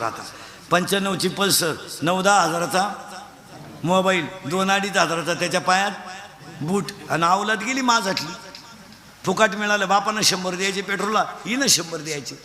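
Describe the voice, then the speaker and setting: A man's voice: high voice, bright, forceful tone. A man preaching a comic devotional kirtan, telling stories and mocking in acted voices. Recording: echoey hall sound.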